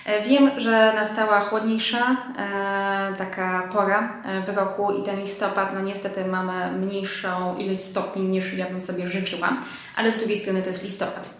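A woman's voice: medium pitch, little pitch movement, moderate pace. Congested, nasal Polish woman in echoey room. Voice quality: nasal, stuffed-up from a cold. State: slight head cold. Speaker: fashion vlog host. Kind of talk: casual chat to viewers. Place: indoors under artificial light.

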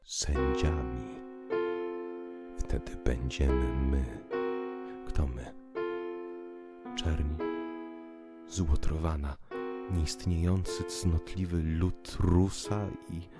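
Very deep, slow man reading dramatically. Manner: theatrical, declamatory, swinging from hushed to emphatic. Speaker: audiobook narrator. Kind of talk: dramatic literary narration with piano music. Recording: piano music behind the voice. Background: piano music.

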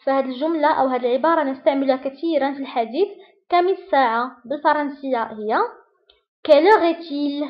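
Woman, high voice, dull lo-fi recording, slow repeated French phrases. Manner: reads Arabic quickly, repeats French phrases slowly. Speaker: French teacher. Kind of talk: French lesson for Arabic speakers.

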